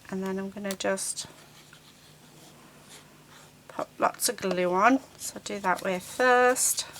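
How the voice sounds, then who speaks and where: A woman hosting a casual paper-craft tutorial, croaky from a sore throat, chatty and often hunting for words between ums. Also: mid-range voice, fairly bright tone, a little hiss or hum, low-quality recording. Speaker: craft channel host. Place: craft table indoors.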